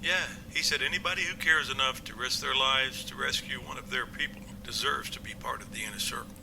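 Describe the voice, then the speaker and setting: A man's voice: mid-range voice, fairly quick, vocal fry, background noise, lightly acted. A man playing a plainspoken, confident police captain in an amateur audio drama, homespun and matter-of-fact.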